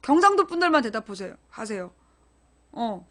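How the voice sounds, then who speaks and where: Woman, high-pitched voice, live-stream host, political commentary, blunt and emphatic, casual speech, questions chat viewers. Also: very animated, normal speed, fairly bright tone. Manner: talks directly to chat viewers, asks them questions.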